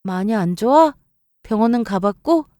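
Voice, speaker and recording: Female narrator as caring bride-to-be, story-radio dialogue, attentive and casual, mid-pitched, dry sound. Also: lively intonation, moderate pace, warm tone, no echo, close to an everyday voice. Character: caring, agreeable young bride-to-be.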